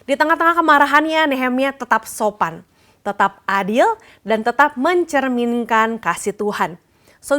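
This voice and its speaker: Lively young woman preaching to youth. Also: on the high side. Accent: Indonesian. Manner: lively, mixes English phrases into casual speech. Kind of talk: sermon.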